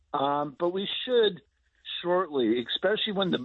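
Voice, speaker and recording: At a moderate pace, a man with an ordinary speaking voice talks with lively intonation. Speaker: fishing report guest. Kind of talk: casual interview, fishing report.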